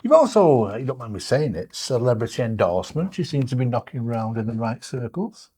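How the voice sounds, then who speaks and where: A man's voice: mid-range voice, sing-song, a little fast, darkish tone, breathy edge. A man, chatting casually and jokily as an interviewer. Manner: jokey, bantering.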